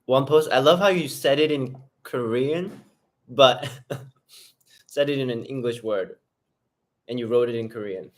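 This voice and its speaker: A man's voice: medium pitch, unhurried, pauses often. A man hosting a casual live stream, talking loosely to viewers in the chat while he eats. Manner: loose, rambling, talks straight to viewers in chat. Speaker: livestream host.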